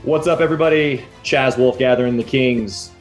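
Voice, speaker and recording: A man's voice: mid-range voice, moderate pace, soft background music. A man hosting an interview podcast in a very informal, slangy, buddy-to-buddy way. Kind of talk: casual interview chat.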